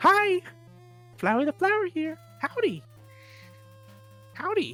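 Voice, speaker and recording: A put-on character voice at an extremely high pitch speaks at a fairly slow pace. Faint music plays in the background. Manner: cheerful then creepy.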